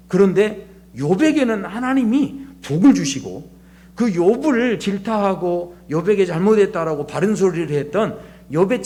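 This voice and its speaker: A male pastor preaches in a church sanctuary, talking to the congregation in a chatty, questioning way. His voice sits a little higher than most men's, and he slips into playful voices for everyday people. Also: a little mellow. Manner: conversational, asks the congregation rhetorical questions; acts out everyday speakers with changed voices. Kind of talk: sermon.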